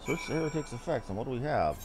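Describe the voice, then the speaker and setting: A man's voice: medium pitch, animated, fast, noisy background. A man playing through a video game, commenting and reading the on-screen text aloud as he goes. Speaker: game streamer.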